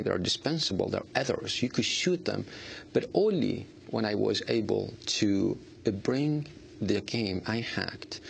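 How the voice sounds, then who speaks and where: A man answering interview questions earnestly, halting often with fillers and restarts. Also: lowish voice, creaky, a little hiss or hum. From Iraq. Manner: halting, many fillers and restarts, non-native grammar. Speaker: artist guest.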